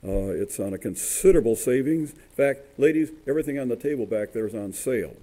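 A man preaching a sermon in a church, his voice rough, often halting with fillers and restarts. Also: mid-range voice, expressive, dark tone. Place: church sanctuary.

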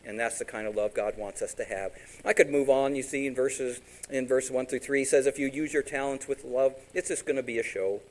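A man preaching a sermon as pastor, animated and direct, sometimes voicing imagined congregants. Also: medium pitch, fairly quick, poor audio.

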